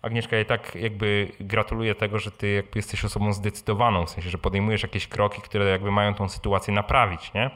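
This host of a live personal finance Q&A speaks fast with hardly any pauses, his fairly low, fairly bright voice showing little pitch movement. He answers audience questions informally, repeating words and often adding short tag questions.

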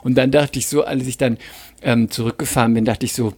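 Husky, gravelly man telling stories. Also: mid-range voice, a little fast. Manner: lively anecdote-telling, acts out dialogue. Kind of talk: casual podcast chat, storytelling.

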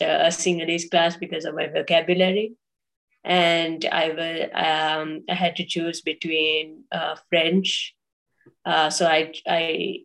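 A woman from Sri Lanka speaks as a guest on a podcast. Her voice sits low for a woman and barely moves in pitch. She hesitates often, filling gaps with ums and restarting her sentences. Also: creaky, a bit bright, low-quality recording. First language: English. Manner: hesitant, many fillers and restarts. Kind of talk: casual interview talk.

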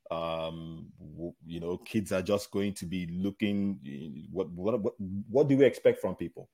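This is a middle-aged man from Nigeria with a Nigerian accent and a very deep voice. He speaks as an interview guest, rambling through his thoughts with plenty of fillers and restarts. When he tells stories he grows more animated. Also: a little slow, gravelly, breathy edge. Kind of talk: casual interview chat.

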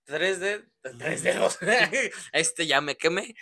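A young Mexican man chats casually as a co-host, with a slightly higher, bright voice. His sound is dry and close. He laughs easily and drops in jokey interjections. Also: takes it slowly, gravelly, no room sound. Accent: Mexican Spanish. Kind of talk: casual chat.

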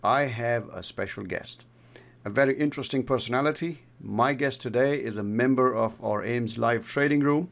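A man hosting a trading podcast and interviewing a guest in a measured, friendly way. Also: mid-range voice, vocal fry, fairly bright tone. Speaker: podcast host and trading mentor.

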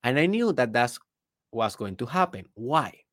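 Slow, animated Spanish-accented man. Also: mid-range voice. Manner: emphatic, rhetorical questions to the listener. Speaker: business coach and podcaster. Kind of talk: solo motivational talk.

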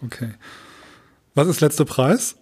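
A man with a husky, somewhat high voice hosts a podcast. He talks casually and informally, with a teasing touch toward his co-host. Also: animated, a little slow, a little mellow.

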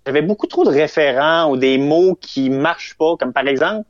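In a casual interview, a young Québécois comedian rambles with self-amusement, full of fillers and restarts. His slightly high voice is expressive at normal speed, and the recording has no echo but a slightly dull lo-fi quality.

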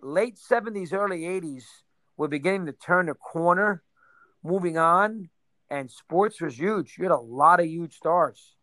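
A man in his sixties, reminiscing in a casual interview, rambling and rattling off names in quick bursts. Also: fairly high pitch, pushed and bright, dry recording. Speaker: interview guest.

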